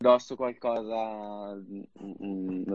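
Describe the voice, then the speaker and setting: A man's normal speaking voice, fairly low in pitch, with fairly even intonation. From Milan, northern Italy. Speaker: podcast co-host. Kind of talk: casual chat.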